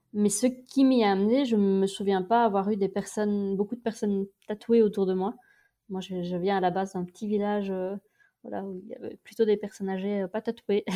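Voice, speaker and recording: A dark, mellow voice speaks at a moderate pace in monotone, flat intonation against a quiet background. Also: woman. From Belgium. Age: 30s. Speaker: journalist. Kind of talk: casual interview.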